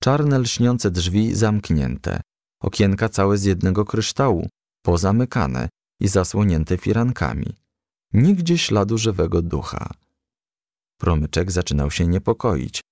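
A man narrating a children's storybook with expressive, animated delivery. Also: deep voice, a little slow, dry recording, studio quality. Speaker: audiobook narrator.

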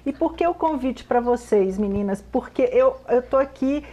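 A woman's voice: high-pitched, animated, moderate pace, mellow. A woman in her fifties who founded a digital theater project, speaking eagerly and inviting viewers, recorded in a TV studio on a lapel mic.

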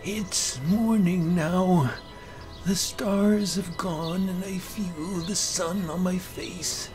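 A man reads a horror tale in the first person with brooding, theatrical delivery. He takes it very slowly, in a mid-pitched voice, over prominent music. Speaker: narrator, amateur voice actor. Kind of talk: dramatic first-person horror story narration.

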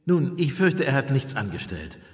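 An actor playing a calm, kindly village priest in a radio play, polite and gently wry. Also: male voice, medium pitch, moderate pace, lightly acted. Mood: grave. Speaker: actor in audio drama. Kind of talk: German radio play acting. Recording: long reverb, some music behind.

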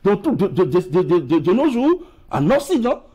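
His voice sits high, husky and warm, with huge pitch swings at normal speed. He's a middle-aged emigration expert with a West African French accent, a guest in a TV studio interview on a lapel mic, gesturing widely and stumbling over repeated words.

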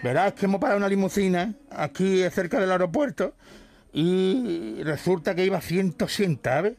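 A man's voice: high-pitched, normal speed, a little mellow, voice pushed up. A man voicing a frantic male motorcycle policeman. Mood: urgent.

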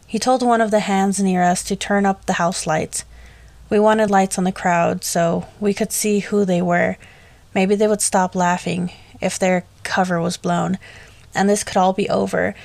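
A woman narrating a scripted horror story in a steady, measured way. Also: mid-range voice, vocal fry, no echo.

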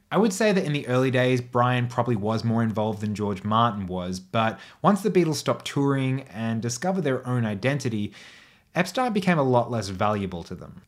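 A man giving casual tier-list commentary as a video creator, conversational and opinionated, with quick self-correcting asides. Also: mid-range voice. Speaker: YouTube creator.

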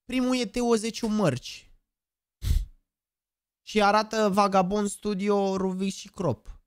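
A man in his twenties, live streaming and chatting, hyper and joking, bursting into shouted catchphrases. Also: high-pitched, little pitch movement, clear, resonant tone, no room sound, clean studio sound. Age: 20s. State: over-excited. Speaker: gaming streamer.

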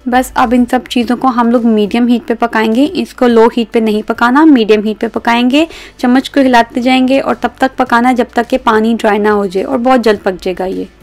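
A woman's voice: a little high, fairly even intonation, moderate pace, a little mellow, soft background music. A woman hosting a recipe video in voice-over, explaining step by step and addressing viewers directly. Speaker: cooking show host.

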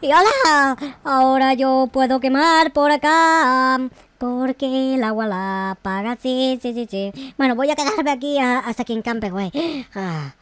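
A woman's voice: sits high, unhurried, fairly bright tone, no echo. A woman voicing a boastful, clueless noob kid in a game role-play, who exclaims and panics about his mom. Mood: panicked.

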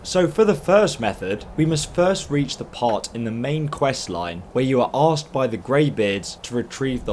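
A man hosting a game walkthrough, explaining steps in an upbeat, instructive way, his voice croaky from a long stream. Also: mid-range voice, slight background noise. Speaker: gaming guide host.

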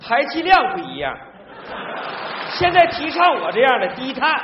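An actor playing a hapless, evasive middle-aged husband in a stage comedy sketch, whining out excuses emphatically. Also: male voice, very high voice, huge pitch swings, moderate pace, crowd noise, exaggerated voice. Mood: defensive. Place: large theater stage before a live audience. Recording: echoey theater stage, muffled, noisy.

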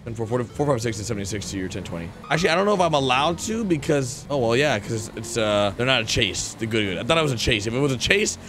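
A young American man giving casual, animated, slangy commentary on a roleplay game, speaking close to a mic indoors. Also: medium pitch, fast talker, few pauses, music in the background. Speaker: gaming video creator playing a police officer. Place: indoor room at a gaming setup.

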